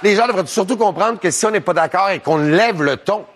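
Male panelist, fumbling and reflective, light high voice. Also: animated, background noise. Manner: halting, restarts, thinks aloud. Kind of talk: panel debate.

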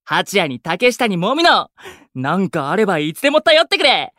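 An exuberant young male idol from an audio drama, a caring senior full of theatrical bravado. His high voice swoops widely, recorded close and dry. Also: very animated, normal speed, bright, forceful tone, no room sound, exaggerated voice. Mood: fired up. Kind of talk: Japanese anime-style audio drama acting.

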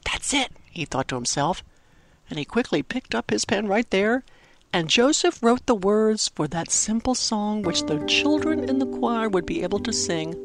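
A woman telling a dramatic Christmas story for children, with simple, expressive phrasing and emphatic pauses. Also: mid-range voice. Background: music under the narration.

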